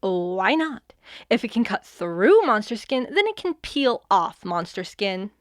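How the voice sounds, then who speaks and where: A woman's voice: medium pitch, very animated, unhurried, dry recording, clean studio sound. A woman playing a breezy, sardonic fairy in an audio comedy drama. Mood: breezy, cocky. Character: cocky sarcastic female fairy wielding chaos magic. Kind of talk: audio fiction comedy acting.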